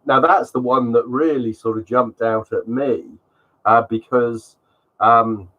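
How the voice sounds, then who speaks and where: The man talking through slides on his live stream has a cold, so he sounds sniffly, and his casual commentary rambles with many ums. His mid-range voice keeps a fairly even intonation at a slow pace, and the sound is phone quality.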